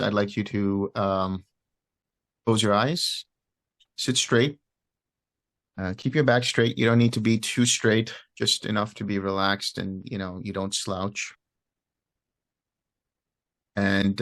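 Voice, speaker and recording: A man giving guided meditation instructions as a teacher, speaking gently and unhurriedly with pauses between short phrases. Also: on the low side, no echo, clean studio sound.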